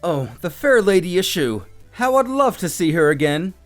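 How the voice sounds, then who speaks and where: A man's voice: high-pitched, sing-song, moderate pace. A man voicing a courtly attendant to a god, formal, flowery and melodramatic, in a storytelling recap. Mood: gracious. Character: courtly, theatrical male attendant of a war god. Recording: music behind the voice.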